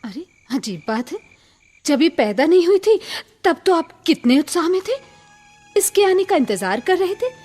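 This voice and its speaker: Weary high-voiced young mother. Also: very animated, normal speed, darkish tone, soft background music. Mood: reproachful. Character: weary, protective wife and mother of a baby. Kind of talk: Hindi radio drama acting.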